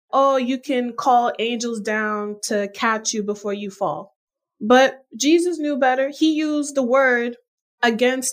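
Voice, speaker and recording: A woman with a high pitch and an American accent, at a fairly slow pace. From US Northeast, New York City (the Bronx). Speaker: mental health advocate. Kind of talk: interview testimony.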